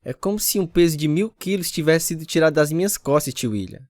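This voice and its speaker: A man's voice: on the high side, expressive, fast, darkish tone, dry recording, lightly acted. An actor playing an earnest, repentant husband who tells his conversion story in a scripted radio drama. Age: 30s. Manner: earnest, confessional delivery. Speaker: narrator and lead character. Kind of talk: scripted radio drama with first-person narration. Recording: radio drama over guitar music. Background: acoustic guitar music.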